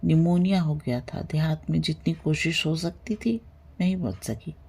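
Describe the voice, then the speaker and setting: A woman voicing a grieving, stern widowed older village man who speaks in a heavy, halting way in a storybook reading. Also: low voice, gravelly, darkish tone, slightly rough, exaggerated voice.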